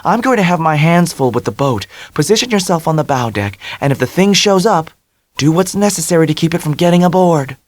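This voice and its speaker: A bubbly, breezy young blonde woman, as a male narrator puts her on, raised well above his own low voice. She sounds confident and carefree in an audiobook reading. The sound is dry and close. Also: animated, brisk, no room sound, natural voice.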